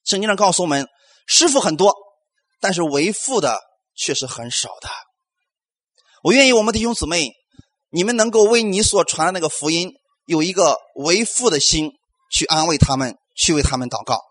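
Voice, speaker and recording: A man preaching a sermon as pastor, animated and lively, acting out the voices of people he quotes. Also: on the high side, normal speed.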